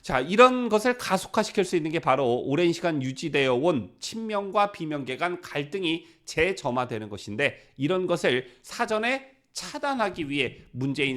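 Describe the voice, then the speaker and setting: A man presenting political news commentary, his voice sitting fairly high and swinging widely in pitch. He keeps turning to the viewers with rhetorical questions. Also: fairly bright tone.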